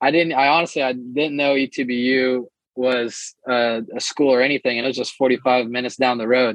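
The man's intonation is monotone and flat. He keeps a moderate pace. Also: medium pitch for a man. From Louisiana, Shreveport (born in Brazil). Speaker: college soccer player. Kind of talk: interview.

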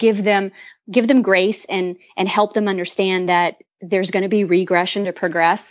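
A normal speaking voice from a woman with an American accent, medium pitch, ordinary pitch variation and a moderate pace. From Texas. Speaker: fitness coach. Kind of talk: interview.

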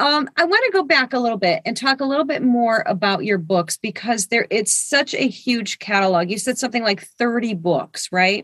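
A woman speaks in a plain, everyday voice at a fairly high pitch, with lively intonation and very even loudness. Her pace is moderate with hardly any pauses, and the sound is dry and close with no echo. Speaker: podcast host. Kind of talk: casual interview.

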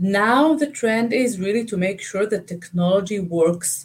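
A somewhat breathy woman's voice at medium pitch, fairly slow in pace, with ordinary pitch variation. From Israel. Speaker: marketing executive. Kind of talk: interview.

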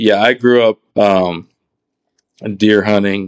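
A man speaks with an American accent. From Texas, near Houston. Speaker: college sport shooter. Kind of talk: interview.

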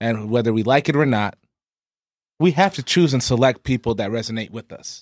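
A man's unremarkable speaking voice, medium in pitch, at a fairly quick pace with ordinary pitch variation. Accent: American. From US (raised from childhood), South Sudanese family. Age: 30s. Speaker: logistics worker. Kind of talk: casual panel discussion.

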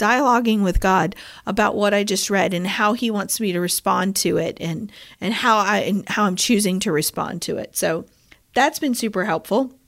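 A plain, everyday voice from a woman, moderate pace, ordinary pitch variation, very clean recording over a silent background. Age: 50s. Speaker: podcast host and pastor's wife. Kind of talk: devotional teaching podcast. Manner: warm and conversational.

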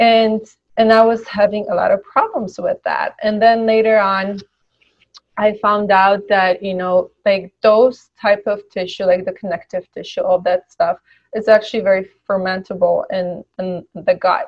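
A woman speaks at a medium pitch with a slight Polish accent. Her pace is fairly slow and her intonation fairly even. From Poland. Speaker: health coach. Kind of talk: casual interview chat.

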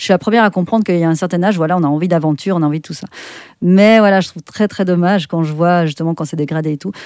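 With a dark, mellow tone at medium pitch, a woman speaks at a very fast pace with ordinary pitch variation, in a very clean recording with a silent background and a dry, close sound with no echo. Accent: Swiss. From Switzerland, Vaud (Lake Geneva coast). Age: 50s. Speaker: urban explorer and photographer. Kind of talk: casual interview.

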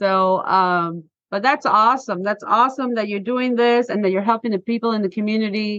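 In a plain, everyday voice with an American accent, a woman speaks fairly quickly at a fairly high pitch with fairly even intonation. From New York. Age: 50s. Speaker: podcast host, stroke survivor. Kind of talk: casual interview chat.

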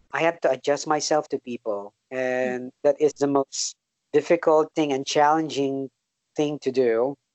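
Fairly slow and fairly high, a man speaks with an American accent and fairly even intonation. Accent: American-sounding. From Philippines, Pangasinan. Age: 40s. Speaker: podcaster and entertainment reporter. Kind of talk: interview. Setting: phone call.

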